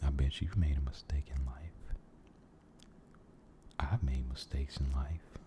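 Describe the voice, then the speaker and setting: Very slow, whispering deep-voiced man. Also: fairly even intonation, noisy background. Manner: halting, gentle, repeats phrases. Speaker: ASMR video creator. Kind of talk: soft-spoken ASMR ramble, mostly whispered.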